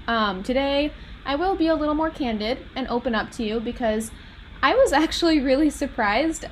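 A woman's voice: on the high side, poor audio. A young woman with a Minnesotan American accent hosting a podcast as a candid, chatty, rambling and self-deprecating monologue. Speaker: podcast host. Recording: noticeable background noise.

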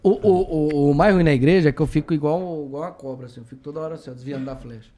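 A man telling stories as a guest on a casual podcast, joking and animated, laughing often. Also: on the high side, racing.

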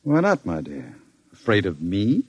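An actor playing a smooth, scheming gangster who talks in a suave, menacing drawl, in a vintage radio drama. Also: male voice, low voice, wildly swooping pitch, a little slow, darkish tone, no echo, full character voice. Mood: seductive. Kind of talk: 1940s radio acting.

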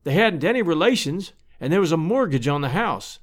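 A man's voice: fairly high pitch, big pitch swings, a little fast. A man voicing a cheery, kind-hearted, talkative rural married woman from a storybook, in a folksy, fretful manner. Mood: sorrowful. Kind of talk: storybook character voice.

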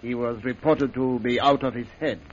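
A man's voice: mid-range voice, fairly even intonation, moderate pace, close to an everyday voice. A man doing a sly hunter in an old radio play, all formal courtesy over a sinister plan. The recording is dull and lo-fi, with a faint hiss underneath. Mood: smooth, evasive. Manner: smooth, formal and falsely polite. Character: scheming Indian hunter, sinister secret society leader. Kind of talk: 1930s radio drama acting.

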